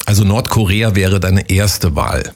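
Husky, fairly low male quiz co-host. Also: steady tone, unhurried, a little mellow. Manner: joking, chatty storyteller. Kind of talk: casual quiz chat.

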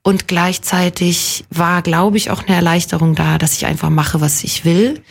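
A woman's voice: lowish voice, fairly even intonation, normal speed, creaky, slightly rough. A woman in her forties from Munich, an actress chatting as a radio guest, reflective and self-deprecating, wandering through her thoughts with plenty of fillers. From Munich, Germany. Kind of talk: casual conversational interview.

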